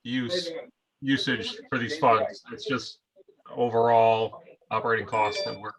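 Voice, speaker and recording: A man's voice: medium pitch, a little slow, a crowd in the background, poor audio. A man on a board speaking plainly and matter-of-factly about the use of funds. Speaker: board member.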